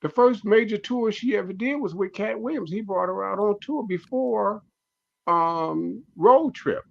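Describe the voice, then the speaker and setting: A man's voice: high voice, unhurried, vocal fry, highs cut off. A man in his sixties, a comedian guest on a talk show, speaking emphatically and repeating his points. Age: 60s. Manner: emphatic, preachy, repeats phrases. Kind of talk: casual radio talk show discussion.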